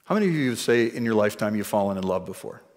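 A man's voice: on the low side, expressive, racing, darkish tone. Male pastor, 40s, conversational sermon with wry asides, long church reverb. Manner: conversational, jokey asides to the congregation. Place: church stage before a congregation.

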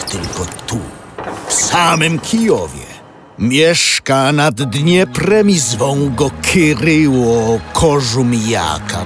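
Drowsy, growling storybook dragon. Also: male voice, medium pitch. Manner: sleepy mumbling breaking into growls, drawn-out words. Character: powerful, vain, drowsy male dragon, grumpy but lovesick. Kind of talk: storybook character acting.

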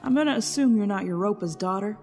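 A mid-pitched woman played by an actress as a wary investigator in an audio drama. She is businesslike, with faint music behind her. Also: expressive, quick pace, lightly acted.

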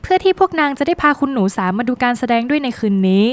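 A woman narrating a scripted drama plot recap in a brisk, lively storytelling manner with dramatic phrasing. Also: high voice, no room sound.

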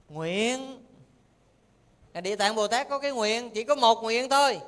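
A Buddhist monk giving a sermon in a temple hall, asking the audience lively teasing questions. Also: male voice, very high voice.

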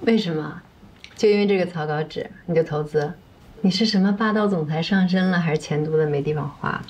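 A woman's voice: on the low side, brisk, a little mellow, slight background noise, natural voice. An actress in her thirties playing a sincere, self-reliant woman in naturalistic TV drama dialogue. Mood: wry, casual. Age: 30s. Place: indoor dining room, quiet. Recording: faint music behind.

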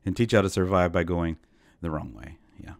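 A deep-voiced man in his thirties, a bit sick and growing hoarse, gives brisk, rambling Minecraft let's play commentary, talking to viewers and putting himself down. There's vocal fry in his voice, and the studio-quality recording has no room sound.

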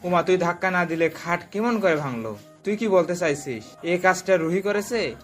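Guy doing a cheeky teasing brother-in-law, kinda high voice, always poking fun. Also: animated, normal speed, faint music behind. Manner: mocking, teasing, exclamatory. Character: teasing mischievous brother-in-law, young man.

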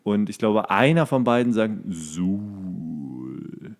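A man's voice: fairly low pitch, big pitch swings, takes it slowly, vocal fry. A man co-hosting a casual podcast chat in a rambling, jokey way. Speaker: podcast co-host.

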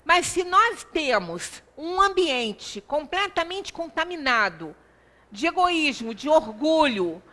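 Brazilian woman, middle-aged, religious lecturer, unhurried pace, emphatic and conversational, reverberant meeting room. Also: sits high, big pitch swings, pushed and bright. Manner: emphatic, with frequent rhetorical tag questions. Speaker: lecturer at a Spiritist center. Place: small indoor lecture room.

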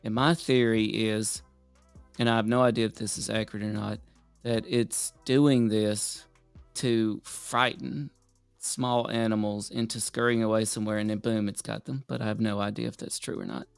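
A man's voice: lowish voice, little pitch movement, normal speed, vocal fry, clean tone, no echo, faint music behind. A man co-hosting a podcast, musing and hesitant as he asks questions. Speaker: podcast host. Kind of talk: casual podcast chat.

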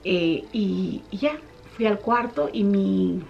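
A young woman vlogger casually telling a personal story to her viewers, animated when she retells what people said. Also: medium pitch, slow, creaky, dull audio, faint music behind.

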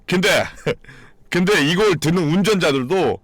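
A man chatting casually with his live-stream audience, joking, swearing freely and breaking into sudden loud outbursts. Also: high-pitched, expressive, normal speed, dry recording. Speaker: game streamer.

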